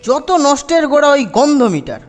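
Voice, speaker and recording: A man's voice: very high voice, huge pitch swings, brisk, exaggerated voice. A man voicing an earnest, aggrieved young schoolboy in a children's cartoon. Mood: accusing. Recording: long reverb, faint music.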